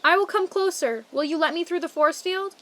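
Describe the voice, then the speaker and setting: A woman's voice: very high-pitched, a little fast, fairly bright tone. An actress playing a confident, eager young lady knight in an audio fairy-tale comedy. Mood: bold.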